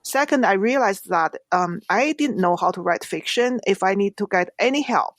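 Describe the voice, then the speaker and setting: A woman's voice: mid-range voice, moderate pace, dry recording, clean studio sound. A middle-aged woman with a Chinese accent, a non-native English speaker whose first language is Chinese, explaining things earnestly with examples as an author guest on a podcast. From China. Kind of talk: podcast interview.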